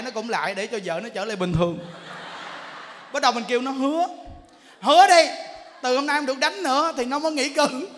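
A Buddhist monk, giving a jokey, lively storytelling sermon in which he acts out characters. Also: very high voice, a little hiss or hum. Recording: echoey hall, faint ambience.

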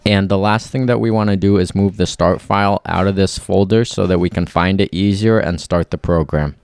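A man narrating a step-by-step software tutorial as presenter, instructing clearly and methodically into a close mic. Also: deep voice, steady tone, normal speed.

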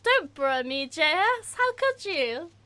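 A woman with a high, bright, clear voice, talking in an unhurried way between sudden excitable yelps and laughs. She comments on a video game as she plays it live on stream. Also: no room sound.

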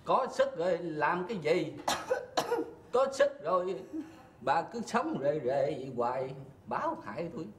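A penny-pinching old husband in a stage comedy sketch, with a high, lively voice that swoops around. He drawls slowly, grumbling about the cost of everything. The sound is roomy, with faint noise behind. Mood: teasing. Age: older.

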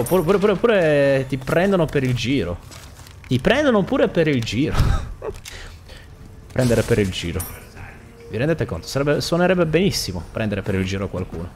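A man's voice: a little high, a little hiss or hum. A young man giving joking gameplay commentary and mocking the enemies on screen. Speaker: gaming YouTuber.

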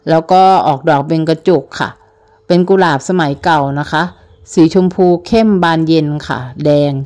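A woman hosting a gardening channel, talking through rose varieties in a chatty, polite way and softening nearly every phrase. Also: deep voice. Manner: chatty, polite, ends phrases with soft particles. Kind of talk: informal narrated rose guide.

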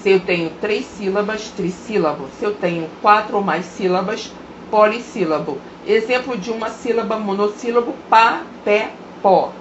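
A woman teaching a grammar lesson, sounding out example words slowly and deliberately. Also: mid-range voice. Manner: slow, drawn-out pronunciation of example words. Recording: roomy, dull lo-fi recording with faint hiss.

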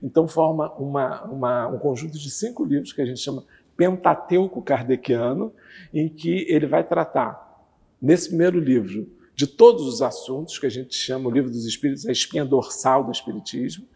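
A man in his fifties, a guest on a TV interview, calmly explaining a religious doctrine with lively hand gestures, on a lapel mic in a curtained studio. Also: mid-range voice, normal speed, creaky, slightly rough, long reverb tail. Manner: animated, gestures with both hands while talking. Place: TV studio with red curtain backdrop.

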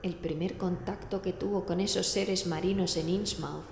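An actress from playing a sombre investigator in an audio drama. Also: female voice, on the low side, steady tone, normal speed, vocal fry, a little mellow. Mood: sombre, reflective. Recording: echoing hall, noisy ambience.

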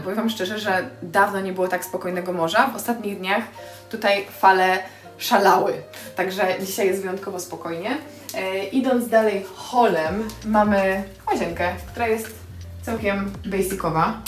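A young adult female vlogger with a mid-pitched voice gives a casual house tour to camera, effusive and enthusiastic, over light music. She shows off a small stone house and its outdoor terrace.

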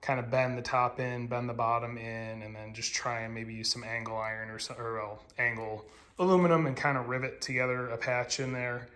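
A man's voice: mid-range voice, little pitch movement, a little fast, fairly bright tone. A man narrating his car build in a casual work vlog, matter-of-fact and full of ums and uhs, filmed on a phone in his garage. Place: home garage.

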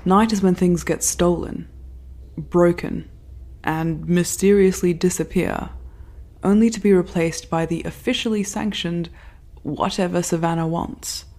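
An actress playing a reflective, anxious woman recording a log in an audio drama, speaking in a measured, literate way. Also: fairly low pitch, fairly even intonation, a little mellow. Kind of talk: audio drama monologue and dialogue.

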